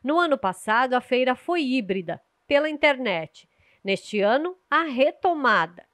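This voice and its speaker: Woman, news reporter, handheld mic, outdoors, fairly high pitch, dry close sound. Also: sing-song, a bit bright, no room sound. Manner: measured, clear reporting delivery. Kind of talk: scripted news report narration. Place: outdoors at an agricultural fair.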